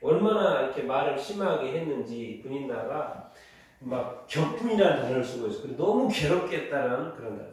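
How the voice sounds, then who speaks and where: A male pastor giving a Bible study sermon, teaching by quizzing the congregation and repeating their answers, and reading scripture aloud slowly. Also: mid-range voice, big pitch swings, a little mellow. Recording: very echoey hall, mic far off.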